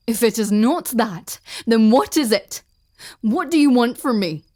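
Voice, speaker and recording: Slow, intense, possessive ice queen, played by a woman. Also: a little high, animated, mellow. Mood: angry, possessive. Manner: halting, slow, intense, often dropping to a breathy whisper. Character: obsessed, cruel yandere ice queen general, wounded and possessive. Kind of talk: dramatic audio roleplay addressed to the listener.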